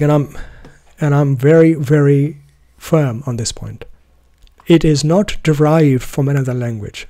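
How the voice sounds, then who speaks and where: Urdu-first-language guy explaining his method, earnest, repeats bits for emphasis, mellow tone. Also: on the high side, no room sound, clean studio sound. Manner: earnest, deliberate, restarts phrases for emphasis. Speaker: Quran student presenting his method. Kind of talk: solo explanatory talk.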